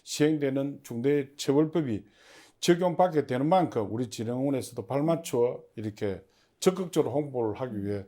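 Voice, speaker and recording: A man giving formal, prepared interview answers as an agency official, in measured and stiffly official phrasing. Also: mid-range voice, lively intonation, mellow. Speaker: head of a public industry agency, interview guest.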